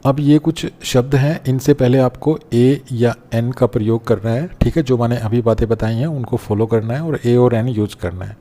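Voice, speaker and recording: A man teaching an English grammar lesson step by step, often pausing to check that students follow. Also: medium pitch, fairly even intonation, dark tone. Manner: explains step by step, often checks with "theek hai na". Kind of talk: classroom-style grammar lesson.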